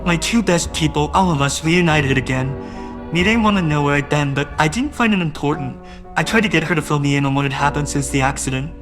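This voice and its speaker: A man's voice: fairly high pitch, fairly quick, music in the background. A man narrating a first-person audio drama in a wistful, doting way that grows uneasy.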